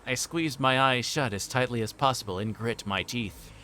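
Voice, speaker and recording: Over music, a man with a mid-range voice talks at normal speed while livestreaming a visual novel. He switches between reading the game's lines and casual, rambling jokes with viewers.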